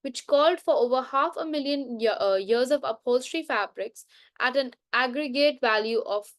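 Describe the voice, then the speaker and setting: Woman, slightly high voice, reading a book aloud, frequent self-corrections, dry close sound. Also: moderate pace, dry recording. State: coughing now and then. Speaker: book reader. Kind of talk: unscripted bedtime book reading.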